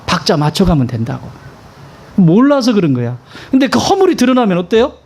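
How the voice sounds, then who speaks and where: A man's voice: sits high, huge pitch swings, a little fast, darkish tone. A male pastor preaching a sermon in a conversational way, asking his congregation questions and stressing points emphatically.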